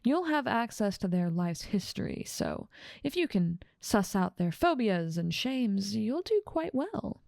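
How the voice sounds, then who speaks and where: A dominant demon ruler of hell, acted by a woman, speaks in an ASMR roleplay with a creaky edge to her voice. She is teasing and condescending, with playful menace, and the recording is close and dry. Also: mid-range voice, sing-song, unhurried, a little mellow, no room sound. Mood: teasing, commanding. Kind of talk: ASMR roleplay audio drama.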